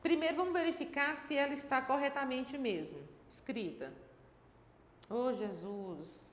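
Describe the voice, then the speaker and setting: High-voiced woman teaching grammar in an echoey room. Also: sing-song, a little fast. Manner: explanatory, checks in with tags like "tá?" and "né?". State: dry throat. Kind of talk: exam-prep grammar lesson. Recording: echoey room with long reverb.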